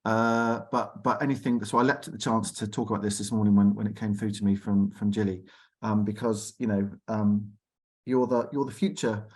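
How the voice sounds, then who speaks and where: A man's voice: fairly low pitch, a little mellow. A man hosting an informal online arts discussion, feeling his way through questions and rephrasing as he goes. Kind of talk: informal chairing of a group conversation. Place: online video call.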